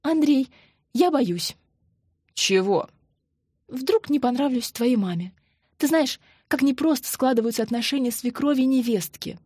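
A woman's voice: high voice, lively intonation, a little slow, darkish tone, breathy edge, no echo, studio quality, pitched above the performer's own voice, exaggerated voice. A woman voicing a nervous young bride-to-be who talks anxiously and earnestly.

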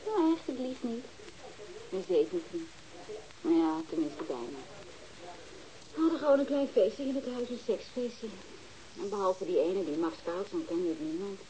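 Woman playing cheeky teen girl streetwalker, soft mellow voice, unbothered, radio play. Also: mid-range voice, animated, normal speed, long pauses, lightly acted, low-quality recording. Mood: nonchalant. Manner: casual, defiant, unabashed. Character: brazen teenage girl, model and streetwalker, nonchalant. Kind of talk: radio drama acting.

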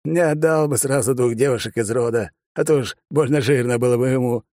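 A man's voice: medium pitch, brisk, mellow, no echo, clean studio sound, voice pushed up, close to an everyday voice. A man voicing a mischievous old grandfather who teases and jokes in an audiobook. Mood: teasing. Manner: sly, joking, cackling. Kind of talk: audiobook character voice.

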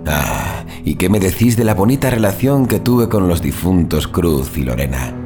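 A man's voice: low voice, very animated, moderate pace, music in the background. A man playing a gleefully sadistic undead killer who narrates his murders with theatrical, sardonic menace in a horror audio drama. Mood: gloating, nostalgic.

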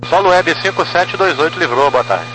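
A man's voice: on the high side, expressive, brisk, music in the background. A man speaking as a pilot over the radio, giving clipped readbacks to air traffic control. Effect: aviation radio. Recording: noisy radio transmission with hum.

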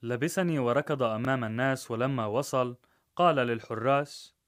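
A man narrating a rhymed story in a measured, rhythmic way. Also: mid-range voice.

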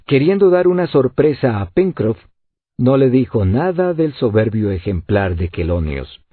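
A man reading a novel aloud as an audiobook narrator, in an expressive way. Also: mid-range voice, husky, no room sound. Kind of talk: scripted narration. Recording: tinny phone-like lo-fi audio.

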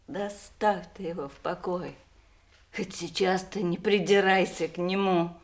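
An actress playing an embittered grown daughter fiercely defending her brother, emphatic and emotional in an audio stage drama. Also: mid-range voice. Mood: weary exasperation.

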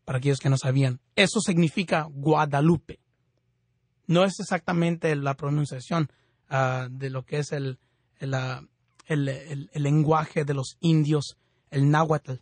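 A fervent man hosting a Catholic radio program, his voice a little high for a man. He prays and explains with frequent stops and restarts. The studio sound is dry and close. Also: no room sound. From California. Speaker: radio show host. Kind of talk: Catholic radio talk and prayer.

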